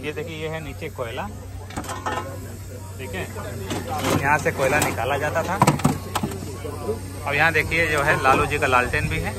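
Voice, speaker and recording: A man's voice: a little high, fairly even intonation, a little slow, pauses often, very noisy. A middle-aged man with an Indian accent, narrating a casual vlog outdoors and informally explaining what he shows. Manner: informal, instructive, pointing things out as he goes. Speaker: vlog host. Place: outdoors in an open parking lot at a public event. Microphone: phone at arm's length.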